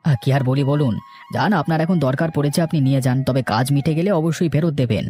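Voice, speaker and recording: A man's voice: fairly high pitch, quick pace, darkish tone, natural voice. A man voicing a humble, grumbling village man in a cartoon story. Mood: wary, deferential. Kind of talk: Bengali cartoon story dialogue. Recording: faint music behind.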